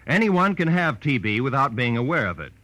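A man's voice: mid-range voice, big pitch swings, fairly bright tone, dry recording. A man with an American accent reading a scripted 1940s radio announcement in a formal, emphatic way. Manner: formal, emphatic, measured phrasing.

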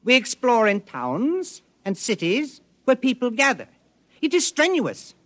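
An actor playing a calm alien explorer who glows and eats rock, speaking formally and precisely without contractions, in a radio drama. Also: male voice, very high-pitched, measured pace, no room sound, exaggerated voice. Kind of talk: 1950s radio drama acting.

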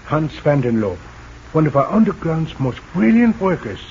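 A formal young resistance leader. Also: male voice, on the high side, big pitch swings, normal speed, darkish tone. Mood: earnest. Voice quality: formal, courteous. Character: polite Dutch underground leader, young man. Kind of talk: 1940s radio acting. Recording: dull old radio recording, faint hiss.

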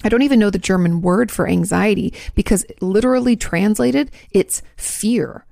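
Speaking at a moderate pace with vocal fry and a darkish, medium-pitched voice, a woman answers listener questions on her advice podcast. She's a marriage and family therapist, chatty and self-correcting, laughing at her own slips, in clean studio sound without echo.

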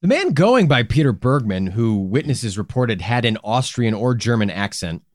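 A man's voice: mid-range voice, moderate pace, no echo. Guy cohosting a true crime podcast, jokey and swears, voice swings all over, dry sound. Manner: animated, jokey, swears casually. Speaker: podcast co-host.

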